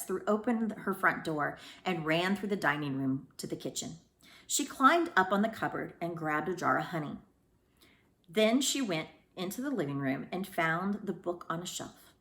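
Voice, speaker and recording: A woman narrating a children's storybook as a read-aloud storyteller, with dramatic, deliberate phrasing. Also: fairly low pitch, creaky, pushed and bright. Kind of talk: expressive scripted storybook narration.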